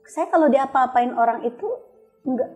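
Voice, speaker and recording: A woman interview guest tells her life story in a reflective, conversational way, searching for words and making small restarts. Her voice sits high and a little mellow at a normal speed, with faint music behind her.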